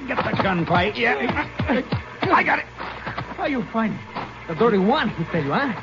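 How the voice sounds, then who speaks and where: An actor in a 1950s radio drama playing a drunken, cornered bandit who speaks broken English. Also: male voice, sits high, big pitch swings, normal speed, creaky, loud music behind the voice, full character voice. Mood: defiant. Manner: broken English, cajoling then shouting. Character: drunken cornered Mexican bandit, young man, volatile. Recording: dull 1950s radio transcription, heavy noise.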